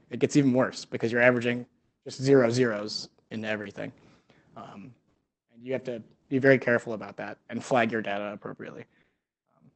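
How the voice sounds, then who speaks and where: A man's voice: mid-range voice, a little mellow. Man giving a technical seminar. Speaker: research scientist presenting a seminar.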